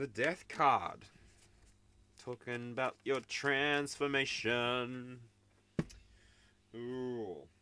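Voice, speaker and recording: With fairly even intonation, a man speaks at a very slow pace, leaving long, frequent pauses. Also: medium pitch for a man. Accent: Australian. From Australia. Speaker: tarot reader. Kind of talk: live-stream tarot reading. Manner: casual, rambling.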